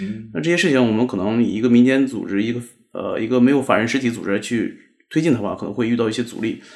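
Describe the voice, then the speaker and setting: The man talks at a very fast pace. His medium pitch shows ordinary variation. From Dalian, northeast China. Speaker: ski club co-founder. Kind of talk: casual chat.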